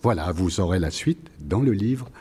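Mellow-voiced man reading wry prose. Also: low-pitched, animated, normal speed, husky. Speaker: author reading and answering. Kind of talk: reading a prose piece aloud.

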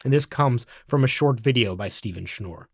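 A man's voice: mid-range voice, no echo. Man narrating a dry investigative report. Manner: measured, even delivery. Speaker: documentary narrator.

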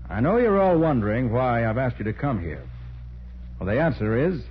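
An actor playing a commanding master detective, deliberate and authoritative, in a 1940s radio drama. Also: male voice, a little high. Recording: muffled, hissy 1940s radio recording.

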